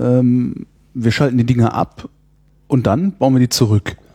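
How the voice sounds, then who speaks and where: Somewhat breathy, a man's voice comes through dry and close with no echo. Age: 40s. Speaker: podcast host. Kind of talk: interview. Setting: in-person interview at guest's institute. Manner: hesitant, many fillers.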